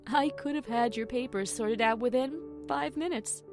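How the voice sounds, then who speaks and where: A woman playing a calm pony princess, measured, patient and gently wry, in an audio fan story. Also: a little high, over music, natural voice. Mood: patient, explaining.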